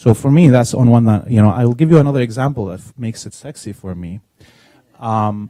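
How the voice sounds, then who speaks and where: This man has a dark, mellow tone and a non-native accent, with ordinary pitch variation. He talks at a fairly quick pace, and his loudness swings widely. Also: medium pitch for a man. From Middle East (Palestinian-Syrian). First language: not English. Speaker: media advocacy panelist. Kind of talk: conference panel answer. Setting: conference panel room.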